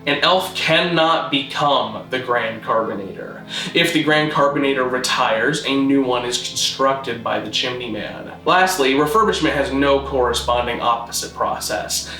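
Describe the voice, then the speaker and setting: Bright, roomy male explainer voice. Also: mid-range voice. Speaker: presenter of a constructed-language video. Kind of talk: scripted narration, mock-documentary explainer.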